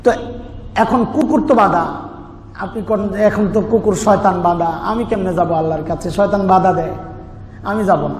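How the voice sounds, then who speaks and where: A man's voice: high-pitched, moderate pace, darkish tone. A Bangladeshi man preaching an Islamic sermon, explaining scripture in an emphatic, conversational way with rhetorical questions. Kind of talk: sermon explaining scripture with recitation and everyday analogies. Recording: echoey reverberant hall with background noise.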